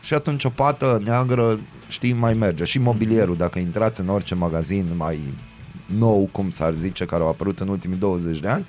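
A man's voice: low-pitched, darkish tone, faint music behind. A man chatting casually on a podcast, telling rambling stories with ironic asides. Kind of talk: casual chat.

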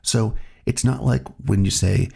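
A man hosting his own podcast, talking in a relaxed, reflective way while he has a cold. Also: on the low side, a little slow, creaky, slightly rough. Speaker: podcast host. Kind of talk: solo podcast monologue.

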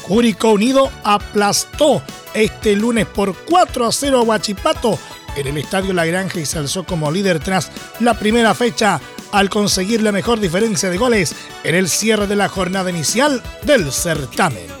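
Chilean male sports radio host, high voice, news-style presenting over a light music bed. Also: animated, normal speed. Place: radio studio. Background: faint music.

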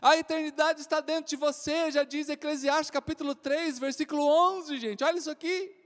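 A man in his forties with a Brazilian accent preaching a sermon, swinging from loud exclamations to soft joking asides. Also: very high voice, steady tone, normal speed. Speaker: pastor. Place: church hall. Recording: reverberant church hall.

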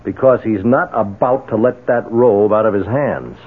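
An actor playing a shrewd, confident, dryly amused investigator in a 1970s radio drama. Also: male voice, lowish voice, moderate pace, slightly rough. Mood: knowing, assured. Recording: muffled phone-like 1970s radio recording.

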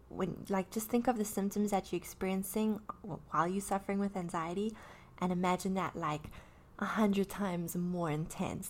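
A woman in her early thirties talking candidly about her own anxiety, rambling with many fillers and restarts. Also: mid-range voice. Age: 30s. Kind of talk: personal talk about anxiety.

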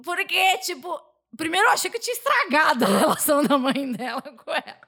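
Chatty, animated Brazilian woman. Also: high voice, brisk, vocal fry. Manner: talkative, animated storytelling with frequent laughs. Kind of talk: casual podcast chat.

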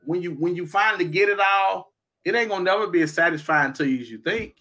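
High, bright-voiced man preaching his point. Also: quick pace. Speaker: podcast co-host. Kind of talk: casual opinion chat.

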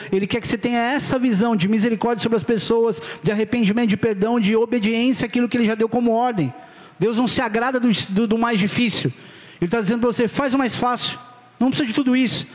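A middle-aged Brazilian pastor delivers a sermon in a quick, high voice. He is direct and urgent, dropping casual slang between appeals. The sound carries a long reverb of a church hall. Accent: Brazilian Portuguese.

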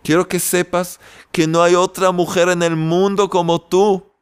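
A man doing a gentle humble shoemaker. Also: high voice, lively intonation, takes it slowly, clean tone. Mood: tender. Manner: soft, tender, pleading.

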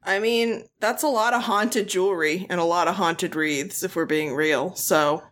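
A woman's voice: lowish voice, normal speed, a bit bright. A woman co-hosting a podcast in casual chat, teasing dryly and laughing often. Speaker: podcast co-host.

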